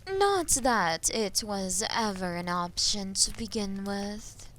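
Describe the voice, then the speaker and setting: An imperious female dragon, played by a woman, speaks at an extremely slow, deliberate pace. She is menacing and possessive, like a captor in a fantasy audio drama, and her phrases trail into breath. Faint noise sits behind the voice. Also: mid-range voice, lively intonation, fairly bright tone. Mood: haughty, commanding.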